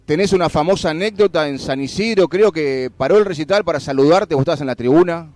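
A man's voice: a little high, quick pace, a little mellow, no echo, soft background music. A man with an Argentine accent, hosting a radio interview and asking questions that stumble over repeated words. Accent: Argentine Spanish. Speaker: radio host.

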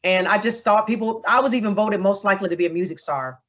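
A young adult woman answering interview questions in a casual, animated way, telling stories with asides to the listener. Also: mid-range voice, fast talker. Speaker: interview guest.

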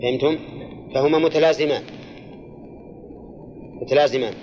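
A man's voice: fairly high pitch, steady tone, normal speed, a little mellow. Older man, classroom lesson, step-by-step explanation, repeats key phrases, asks students questions, dull lo-fi recording. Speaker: teacher of Quran exegesis and grammar.

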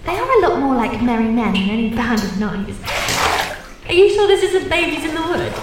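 A woman's voice: a little high, sing-song, fairly quick. A woman playing a breezy, blundering magical lady of the lake in a comic pantomime, chatty and wry. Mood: helpful, wry. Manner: chatty, wry, breaking the fourth wall. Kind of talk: comic pantomime audio drama. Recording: echoey swimming pool, distant, watery noise.

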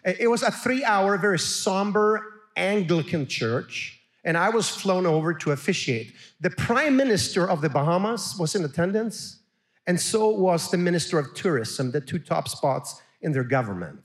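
A middle-aged Swedish pastor preaches a sermon in a high-pitched voice at a moderate pace. He is animated and keeps calling on the congregation to answer back.

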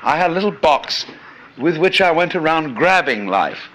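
A man's voice: on the high side, very animated, moderate pace, a bit bright, a little hiss or hum, low-quality recording. An older man giving a reflective, anecdotal lecture, musing aloud with frequent "you see" and hesitant "uh"s. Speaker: lecturer on philosophy.

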